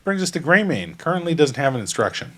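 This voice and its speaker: Guy gm walking players through combat, steady, explains a lot. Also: on the high side, fast talker. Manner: methodical, explanatory. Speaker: game master. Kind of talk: narrating a tabletop game.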